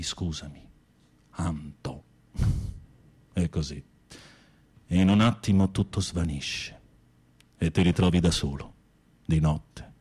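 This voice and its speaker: An actor playing a flamboyant gay male prisoner in a radio drama, a theatrical wounded romantic with a husky, breathy voice. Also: low-pitched, mellow. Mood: wistful, melancholy. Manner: theatrical, swinging from confiding murmurs to camp exclamations.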